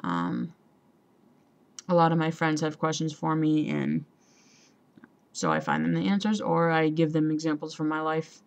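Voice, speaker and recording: A young trans man talking casually to a camera, hesitant, with many ums and pauses, and a voice that still sounds female. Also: on the high side, expressive. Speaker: vlogger. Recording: dull lo-fi home recording.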